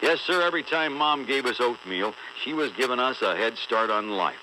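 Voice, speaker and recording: Homespun, stubborn old oatmeal pitchman, bawdy radio parody, deadpan delivery, clearly noisy audio. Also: normal speed. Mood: folksy, earnest.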